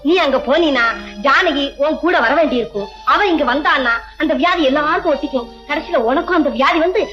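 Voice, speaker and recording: A cruel, scheming woman who spits sharp, mocking rebukes in a piercingly high voice. It comes from an old film soundtrack with music clearly behind her. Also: a little fast, lo-fi sound. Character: spiteful scheming middle-aged woman. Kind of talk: 1960s film drama.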